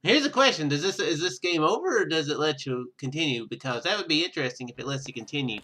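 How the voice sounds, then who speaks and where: A man doing casual, chatty game commentary with excitable reactions. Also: on the high side, fast. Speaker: gaming video player. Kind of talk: casual game commentary, reading dialogue aloud.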